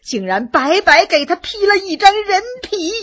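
A woman's voice: very high voice, big pitch swings, a bit bright, dull audio, voice pushed up, exaggerated voice. A woman voicing an old mother who wails and beats her chest, dragging out every word. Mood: wailing. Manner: drawn-out wailing. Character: old mother wailing in grief.

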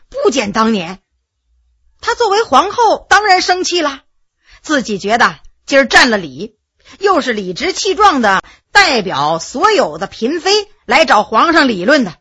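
A woman's voice: high-pitched, pushed and bright. A woman narrating a historical tale in a vivid, dramatic storytelling style with asides to the listener.

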